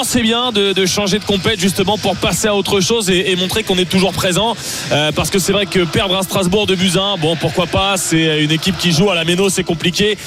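A man's voice: sits high, noisy background. A man giving a live football report as a match correspondent.

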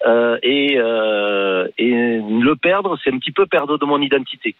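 A man with a Toulouse accent phoning into a radio talk show, speaking hesitantly with many pauses. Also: medium pitch, dry recording. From southern France. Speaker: caller. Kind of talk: phone-in call. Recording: tinny phone line.

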